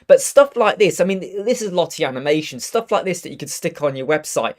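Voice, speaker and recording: A man in his thirties with a croaky voice from a cold, chatting upbeat through a live web design tutorial. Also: fairly high pitch, animated, brisk. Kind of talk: casual live tutorial chat. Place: home studio room with purple lighting.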